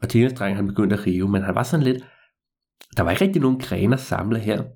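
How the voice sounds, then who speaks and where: A man telling a story to listeners in a lively, meandering way, with hesitations and repeats. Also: fairly low pitch.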